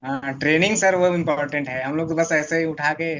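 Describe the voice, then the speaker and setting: A polite, hesitant man speaking up as a student in an online class. His voice sits a little high. The sound is dull and lo-fi, coming through a video call mic. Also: a little fast, a bit bright.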